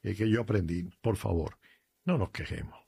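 Un sacerdote cubano con acento cubano, que habla con fervor y cuenta anécdotas personales en un programa de radio. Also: male voice, deep voice, moderate pace, creaky, a little mellow, breathy edge, no room sound. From Cuba. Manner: earnest, emphatic, tells personal stories. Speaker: priest, regular guest. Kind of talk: radio chat on faith.

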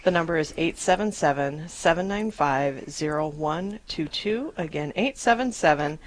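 A woman with a fairly low voice for a woman co-hosts a live radio fundraising drive. She talks in an upbeat way, thanking donors and slowing down to repeat the call-in number. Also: expressive, rough recording.

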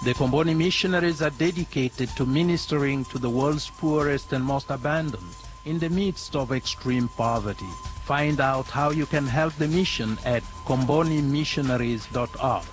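A man reading a scripted radio sponsor message in a measured, polished way. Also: medium pitch, soft background music. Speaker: sponsor announcer.

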